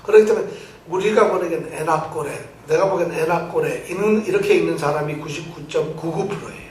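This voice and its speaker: A male pastor delivers an animated sermon, firing questions at his congregation and repeating phrases until they answer back. His voice sits high for a man. It is picked up by a distant mic in an echoing church sanctuary with faint room ambience behind. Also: fast talker, a little hiss or hum.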